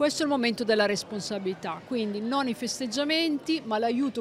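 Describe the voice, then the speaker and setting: Her fairly high pitch shows ordinary variation as the woman talks at a fairly quick pace. The sound is dry with no echo, over light background noise. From Apulia, southern Italy. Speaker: politician. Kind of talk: interview. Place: market. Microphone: handheld.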